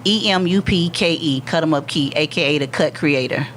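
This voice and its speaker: A woman's voice: low-pitched, normal speed, a bit bright. Woman, 40s, casual guest chat, easygoing, lots of ums, faint hum. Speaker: model and clothing designer, guest.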